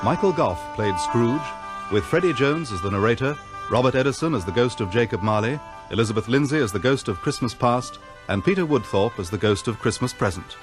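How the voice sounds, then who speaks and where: A man's voice: mid-range voice, animated, fairly quick. English male radio announcer over music. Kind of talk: scripted broadcast credits announcement.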